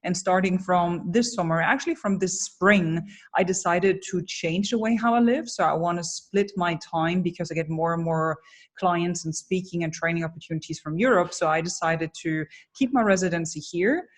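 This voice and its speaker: Her voice is on the low side and her speed is normal. She's a German business coach, a guest specializing in personal branding, whose interview answers are energetic, frank, and emphatic, delivered as stories.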